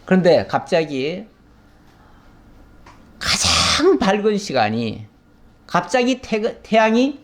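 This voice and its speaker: Animated male pastor teaching scripture. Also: high-pitched, slow, long pauses. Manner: explains verse by verse, acts out mocking voices. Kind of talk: Bible teaching sermon.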